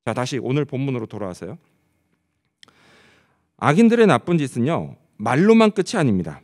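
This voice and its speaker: A man's voice: medium pitch, huge pitch swings, normal speed, darkish tone. A man preaching a sermon as pastor, asking the congregation rhetorical questions and answering them. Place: church sanctuary. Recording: long church hall reverb.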